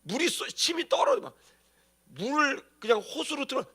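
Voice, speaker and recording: A man's voice: very high-pitched, sing-song, moderate pace, bright, forceful tone. A man preaching as a pastor, telling stories in a colloquial, dramatic way with acted-out emphasis. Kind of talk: animated sermon with storytelling.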